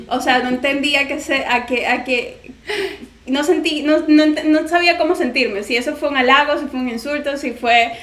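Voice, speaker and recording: A woman's voice: high voice, normal speed, a bit bright. A woman from Venezuela co-hosting a casual chat, telling stories and acting out what people said. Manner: chatty storyteller, acts out quoted lines. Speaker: co-host. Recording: roomy echo.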